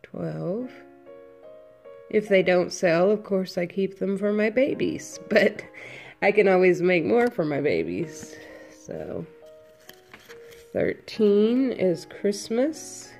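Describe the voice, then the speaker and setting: A woman with a cold, sniffling a little, slowly listing her handmade headbands for sale from home. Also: mid-range voice, sing-song, gravelly, a little mellow, faint music behind. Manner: slow, unhurried item-by-item listing. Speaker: crafter selling handmade headbands. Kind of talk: casual product walkthrough.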